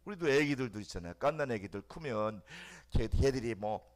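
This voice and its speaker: Middle-aged male pastor, sermon delivery, very animated pitch, loud-to-whisper swings, repetitive emphasis. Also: a little fast. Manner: repeats phrases for emphasis.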